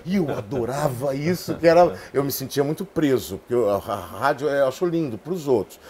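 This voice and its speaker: A man's voice: medium pitch, a little fast, crowd noise. A middle-aged man, an actor and theatre author, talking as a guest and acting out the people in his stories. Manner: lively storyteller, acts out voices and quotes. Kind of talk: animated talk show conversation.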